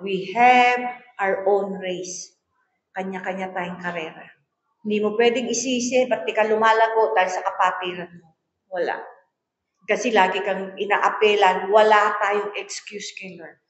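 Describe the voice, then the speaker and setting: A woman pastor preaching a sermon, switching between languages and telling stories with voiced quotes. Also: mid-range voice. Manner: mixes Tagalog and English, tells stories and acts out quoted voices. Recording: echoey room, dull lo-fi sound.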